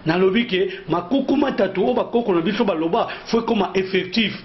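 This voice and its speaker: Interview guest: Congolese man, high-pitched, earnest and long-winded, dull recording. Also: brisk. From Kongo Central, DR Congo. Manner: earnest, explains at length, repeats phrases. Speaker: guest, association founder. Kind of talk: interview talk mixing French and Lingala. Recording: dull lo-fi sound.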